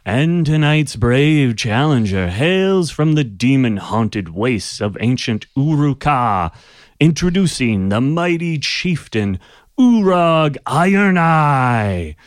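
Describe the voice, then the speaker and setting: Booming fight-night announcer, as a game master puts him on: high, loud, drawn-out calls, dry close sound. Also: male voice, big pitch swings, dry recording. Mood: hyping. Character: booming male arena announcer hyping a fight.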